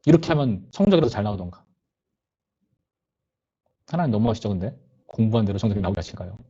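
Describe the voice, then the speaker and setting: A man's voice: fairly low pitch, very animated, fast talker, warm tone, husky, lo-fi sound. A young man, a youth pastor, giving a conversational sermon to teenagers and voicing their complaints and questions. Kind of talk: sermon to teenagers over video call.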